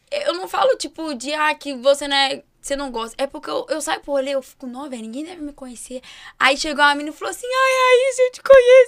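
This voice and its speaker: In a quiet background, a woman talks at a fairly quick pace with a high pitch and very wide pitch swings. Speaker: social media influencer; podcast guest. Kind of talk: casual chat. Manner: animated. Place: studio. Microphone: studio mic.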